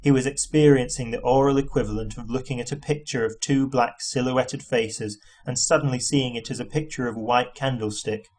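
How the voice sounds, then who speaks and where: A man's voice: mid-range voice, darkish tone. A man reading a story aloud as an amateur audiobook narrator, in scripted narration.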